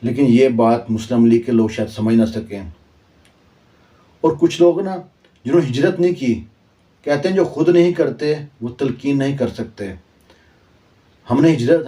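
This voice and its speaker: A man's voice: medium pitch, mellow, far from the mic. A man from Pakistan, telling history in an impassioned, earnest way and dropping in proverbs and verse. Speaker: online commentator.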